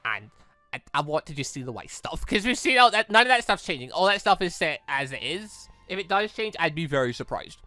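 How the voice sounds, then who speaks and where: Animated man doing let's play commentary. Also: on the high side, brisk, no room sound, soft background music. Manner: animated, reacting aloud. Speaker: gaming video host. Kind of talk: let's play commentary mixed with reading a visual novel aloud.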